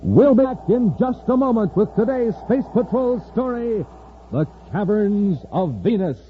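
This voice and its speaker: A man's voice: high voice, lively intonation, a little slow, phone-quality sound. A male announcer in a 1950s radio serial, narrating and selling cereal with showy emphasis. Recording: hissy old radio transcription.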